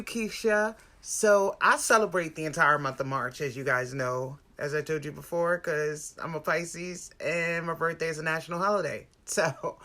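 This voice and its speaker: A woman's voice: low-pitched, fairly bright tone. A woman in her forties with an American accent, hosting a casual, motivational live stream in a conversational, emphatic way, often repeating phrases for stress. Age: 40s. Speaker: spiritual lifestyle live-stream host.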